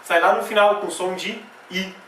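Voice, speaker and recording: A man's voice: high-pitched, fairly even intonation, fairly bright tone, distant mic. Brazilian guy teaching grammar, keeps going "tá? né?", echoey room, faint hum behind. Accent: Brazilian Portuguese. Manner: repeats words slowly, pointing out sounds; checks in with "tá?" and "né?". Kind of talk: grammar lesson at a whiteboard.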